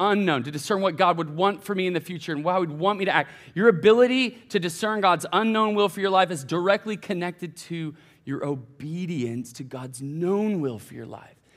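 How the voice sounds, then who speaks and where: In a very clean recording with a silent background, a man with an American accent talks at a fairly quick pace in a high voice, with ordinary pitch variation and big swings in loudness. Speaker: college pastor. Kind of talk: sermon. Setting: church service with audience. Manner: conversational.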